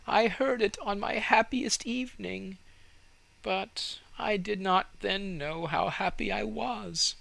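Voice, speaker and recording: A man's voice: high voice, slow pace, vocal fry, fairly bright tone, dry recording, pitched above the performer's own voice, exaggerated voice, poor audio. A man voicing a naive, wistful young fir tree in a storybook, earnest and plaintive.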